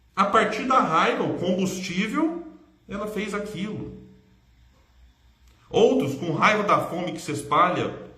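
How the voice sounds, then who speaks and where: A man with a Minas Gerais accent, high-pitched and raised to a projected voice, in an animated tone with lively intonation, big swings in loudness, a fairly slow pace and long, frequent pauses, amid audible room echo and noticeable background noise. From Brazil, Minas Gerais. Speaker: spiritist speaker. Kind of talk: lecture. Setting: video call.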